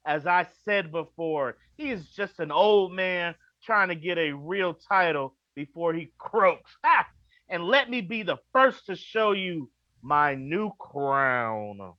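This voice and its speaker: A man's voice: a little high, lively intonation, slow pace, no echo, highs cut off. Man as a swooping, cocky wrestling prince. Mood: taunting. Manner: taunting, boastful. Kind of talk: theatrical wrestling promo.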